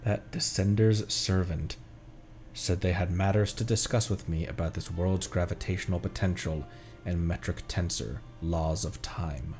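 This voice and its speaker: A man's voice: deep voice, fairly even intonation, measured pace, a little mellow. A man livestreaming a game with casual commentary, reacting and musing aloud. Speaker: streamer. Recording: game music prominent behind voice. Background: game music.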